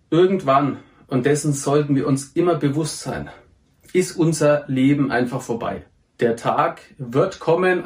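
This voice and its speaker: A man's voice: a little high, darkish tone. A middle-aged man who speaks bluntly and earnestly to young people about addiction, swearing freely and repeating phrases for emphasis. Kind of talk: direct motivational address to young people.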